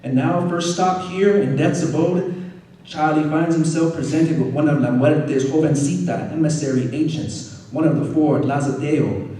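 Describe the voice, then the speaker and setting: A poet speaks to a crowd in an easygoing way, with a mellow tone and a mid-range pitch for a man. He is recorded from some distance in a very reverberant room with faint background noise. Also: moderate pace. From Arizona, United States. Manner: relaxed chatty asides, animated when reading. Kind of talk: poetry reading. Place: poetry reading venue.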